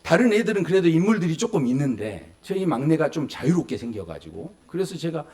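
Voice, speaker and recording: A man's voice: a little high, fast talker. A man in his forties preaching a sermon as pastor, telling stories, acting out small voices and asking the congregation questions. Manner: lively storytelling, acts out children and adults in little voices.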